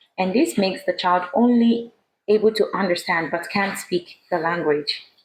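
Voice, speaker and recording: A woman's somewhat breathy voice moves at a moderate pace with ordinary pitch variation. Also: medium pitch for a woman. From eastern Nigeria. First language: Igbo. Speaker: language teacher. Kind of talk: personal talk to camera.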